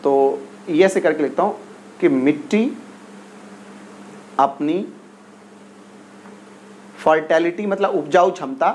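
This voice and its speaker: A male teacher giving an exam-prep lesson, repeating himself and coaxing his students to answer quickly. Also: fairly high pitch, darkish tone, a little hiss or hum. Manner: repetitive, coaxing, drills questions and urges quick answers.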